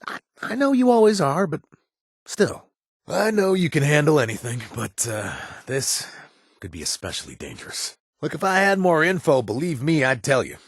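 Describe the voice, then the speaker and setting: A wry, sarcastic game companion. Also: male voice, mid-range voice, dry recording. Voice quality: animated, sarcastic delivery with hesitant stammers. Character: wry young man, quest-giving companion, sarcastic and jumpy. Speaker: video game companion character. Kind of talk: video game voice lines. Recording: dry studio sound.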